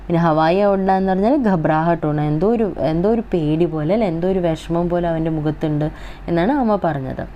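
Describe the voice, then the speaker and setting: A woman with a Malayali accent teaching a Hindi school lesson, slowly reading each line and then explaining it. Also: deep voice, highs cut off, a little hiss or hum.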